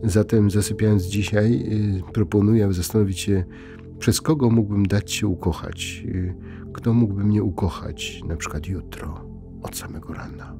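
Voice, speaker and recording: A middle-aged man, a Catholic priest, giving an informal bedtime reflection in an unhurried, conversational way, with many pauses and restarts. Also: lowish voice, music in the background.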